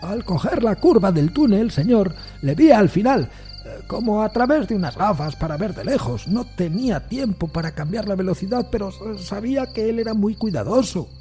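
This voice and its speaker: A high-voiced, distraught train driver. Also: male voice, sing-song, mellow, faint music behind. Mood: shaken, subdued. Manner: pleading, halting, deferential. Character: distraught Victorian train driver recounting a fatal accident.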